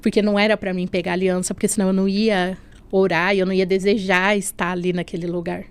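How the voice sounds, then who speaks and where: Woman, podcast guest, heartfelt faith testimony, recreates remembered dialogue, steady mid-range pitch. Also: fast, clear, resonant tone. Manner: storytelling that acts out remembered dialogue; leans on tag questions and softening fillers. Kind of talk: emotional personal testimony. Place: podcast studio.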